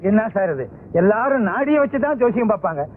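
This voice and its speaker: A man's voice: sits high, animated, quick pace. An actor playing a naive villager who rambles on about his lost cow. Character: simple-minded villager, rambling. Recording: tinny old film soundtrack, faint hiss.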